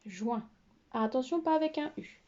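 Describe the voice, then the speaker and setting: A woman teacher giving a slow, careful phonics lesson to young pupils, spelling out letters and syllables. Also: high-pitched, dark tone, dull audio. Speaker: primary school teacher.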